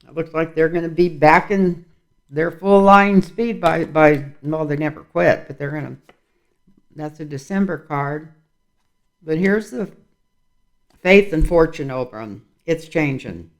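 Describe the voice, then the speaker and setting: Gravelly man musing over tarot cards. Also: fairly high pitch, unhurried. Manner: rambling, musing aloud. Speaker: tarot reader. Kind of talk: casual tarot reading vlog.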